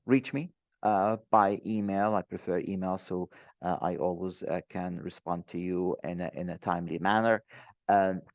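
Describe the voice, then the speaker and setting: A man's voice: deep voice, a little mellow, dry recording. A man presenting an online training webinar, speaking hesitantly with many fillers and restarts. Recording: dull, dry close mic.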